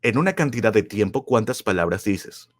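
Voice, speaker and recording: A man's voice: expressive, moderate pace. A man giving a motivational public speaking lecture, emphatic and full of rhetorical questions, repeating key phrases for effect. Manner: emphatic, with wide swings of pitch and loudness; asks the audience rhetorical questions.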